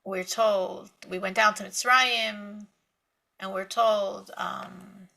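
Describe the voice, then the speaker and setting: A woman giving a spiritual Torah lecture, telling stories with lively emphasis, repeating words and laughing lightly between points. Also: medium pitch, slow pace, vocal fry. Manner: animated storytelling with emphatic repetition. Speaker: Torah teacher.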